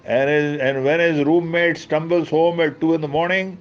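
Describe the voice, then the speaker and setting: A South Asian man reads a book aloud in a dramatic storytelling style, slipping into informal commentary as he goes. His voice sits a little high and is expressive. The recording is slightly dull and lo-fi. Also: normal speed. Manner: expressive, mixes Hindi asides into English. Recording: dull, lo-fi sound.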